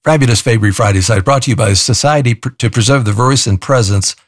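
A man hosting a live radio talk show, playful and enthusiastic, pitching a donation offer between questions for his guest. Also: fast talker, dry recording, studio quality. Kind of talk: upbeat radio hosting and fundraising appeal. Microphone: studio microphone.

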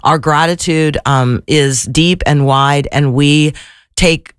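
Woman, radio host, slightly gravelly voice, chatty, effusive, fillers and restarts, dry studio mic. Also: sits low, slow pace, no room sound. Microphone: studio microphone.

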